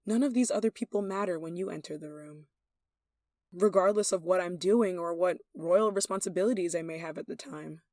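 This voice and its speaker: A woman's voice: lowish voice, brisk, warm tone, dry recording, lightly acted. Lovestruck royal heir, close and dry played by a woman. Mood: tender, infatuated. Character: lovestruck, possessive young royal heir, playful and commanding. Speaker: voice actor in an audio roleplay. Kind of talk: intimate ASMR roleplay acting.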